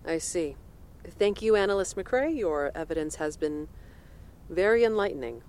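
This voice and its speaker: A woman playing a senator who questions a witness in measured, probing tones in an audio drama. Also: on the low side, animated, darkish tone, lightly acted. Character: cool, secretive female senator interrogator.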